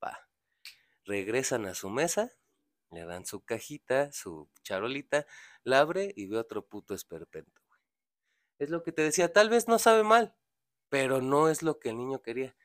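A man's voice: medium pitch, sing-song, moderate pace, pauses often, no echo, clean studio sound. A young man with a Mexican accent telling a story in casual chat, slangy and profane, acting out the people in it. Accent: Mexican Spanish. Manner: slangy, swears a lot, acts out characters in his story.

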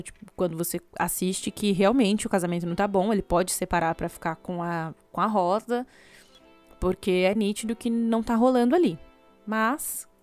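Casting: woman, mid-pitched voice, chatty plot-recap vlogger, faint music under her. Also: darkish tone, no echo. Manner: chatty, conversational, frequent asides to viewers. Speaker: video host recapping a film.

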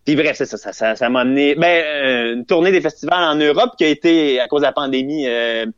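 A man's voice: fairly high pitch, a little fast, no echo. A young man with a Québécois French accent, a comedian chatting in an interview, rambling and self-amused with lots of fillers and restarts. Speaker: comedian guest. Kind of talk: casual interview chat. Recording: slightly dull lo-fi sound.

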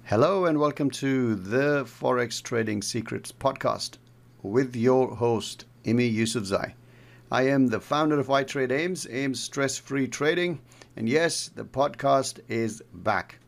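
A man hosting a trading podcast and interviewing a guest in a measured, friendly way. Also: mid-range voice, creaky. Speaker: podcast host and trading mentor.

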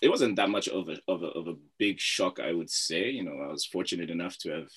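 A man's voice: low voice, fast talker, a bit bright, slightly rough. A man from Zambia, a guest chatting casually in an interview, often repeating words and laughing easily.

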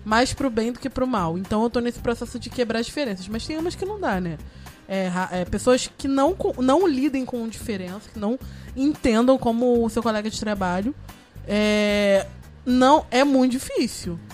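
A woman talks on a podcast in a casual, reflective way, now and then blunt and joking. Her voice sits a little high, with faint music behind. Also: moderate pace, a little mellow.

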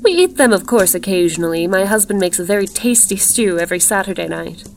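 A woman's voice: mid-range voice, expressive, fast, a little hiss or hum, natural voice. A woman voicing a ghoulish, sweetly cooing and plaintive hostess with glittering dead-white skin, in a told horror story. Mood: fond, cooing.

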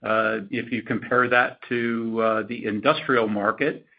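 A man speaking as a company executive answering analysts on an earnings call, in a halting, measured way. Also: medium pitch, level tone, vocal fry. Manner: halting, hedged, measured delivery. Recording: muffled, lo-fi conference call audio.

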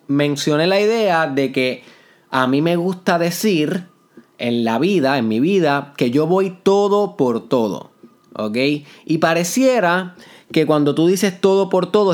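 A young Puerto Rican man hosts his own podcast, talking in a slightly higher-than-usual voice. He explains his ideas earnestly and carefully, and drops English words into his Spanish. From Puerto Rico. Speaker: podcast host. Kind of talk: motivational podcast monologue. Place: parents' house in the countryside. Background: neighbor's old music and roosters.

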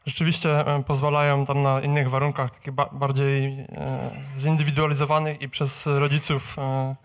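A man asking a question from the audience at a live meeting, halting, with many false starts as he searches for words. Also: mid-range voice, completely flat delivery. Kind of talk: casual spoken question from the floor.

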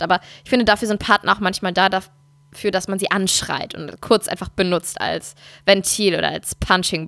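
A woman's voice: medium pitch, fairly bright tone, dry recording. A woman in her thirties chatting casually as a podcast co-host, telling stories candidly and animatedly. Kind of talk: casual chat.

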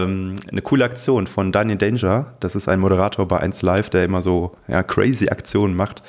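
A man with a fairly low voice talks casually as a podcast co-host. His manner is informal and enthusiastic, as in a relaxed chat about a hobby.

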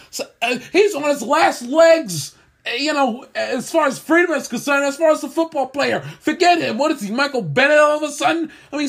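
A man's voice: very high-pitched, a bit bright. A man in a heated sports debate, combative and mocking, rattling off statistics to win the argument.

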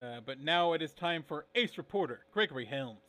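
A man co-hosting a casual wrestling podcast, tossing in quick jokes and one-liners. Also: on the high side, expressive, a bit bright, no room sound. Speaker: podcast co-host. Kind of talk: casual wrestling recap chat.

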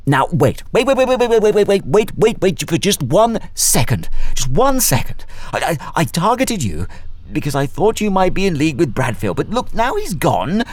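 A man's voice: high voice, sing-song, moderate pace, dry recording. An actor playing an older, cornered crime boss in an audio drama, smug and wheedling, stammering as he justifies himself. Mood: panicked pleading.

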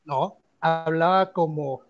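A man's voice: fairly high pitch, slow, dull audio, faint music behind. A man with a Mexican accent chatting casually and telling personal anecdotes in informal, slangy speech.

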